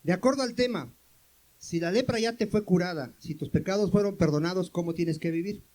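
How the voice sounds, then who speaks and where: A man's voice: sits high, fairly quick, darkish tone, rough recording. A man preaching a sermon as pastor, firing questions at the congregation, answering them himself and calling for amens.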